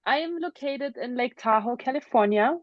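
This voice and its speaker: A woman's voice: a little high, expressive, moderate pace, dry recording. German-accented woman, dull dry call audio. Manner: open, earnest, frequent ums. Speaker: interview guest. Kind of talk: casual interview, personal story. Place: home in the mountains.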